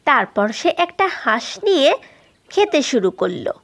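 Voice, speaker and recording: A woman's voice: sits high, very animated, unhurried, fairly bright tone. A woman narrating for children as the storyteller and host of a cartoon channel.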